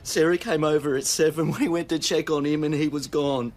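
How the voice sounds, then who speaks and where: A man's voice: fairly high pitch, fairly even intonation, brisk, a little mellow, lightly acted. An actor playing a distraught, defensive young father of a missing baby in a TV police drama. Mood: upset. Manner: agitated, defensive.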